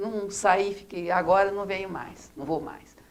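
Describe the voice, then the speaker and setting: Here is a woman with a normal speaking voice. She talks at a moderate pace and medium pitch. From Brazil, Araçatuba region of São Paulo state. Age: 60s. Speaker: former city councillor. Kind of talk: interview.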